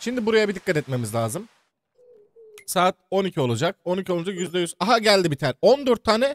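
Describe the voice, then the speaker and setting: Animated in tone, a man speaks at a moderate pace and a high pitch with very wide pitch swings. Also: dry, close sound with no echo. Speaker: gaming YouTuber. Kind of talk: gameplay commentary.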